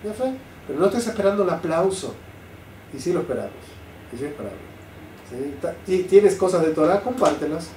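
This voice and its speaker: Older rabbi teaching in a roomy hall. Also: male voice, on the high side, fairly quick. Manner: lively, full of rhetorical questions. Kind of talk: Torah class. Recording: roomy sound, mic at a distance, faint noise.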